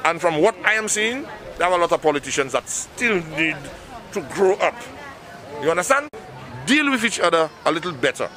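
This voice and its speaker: A man's voice: high voice, sing-song, a little fast, sharp tone, a faint crowd. Earnest Saint Lucian man on a busy street. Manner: earnest, addresses the listener directly. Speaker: street interviewee. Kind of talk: vox pop answer. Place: busy town street outdoors. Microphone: handheld mic held by interviewer.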